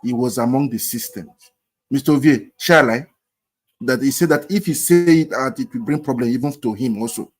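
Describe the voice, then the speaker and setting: Nigerian man, husky voice, insistent debater on a call, repeats points. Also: mid-range voice, normal speed. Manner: repetitive, emphatic, mixes in pidgin. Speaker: discussion participant. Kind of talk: heated casual debate.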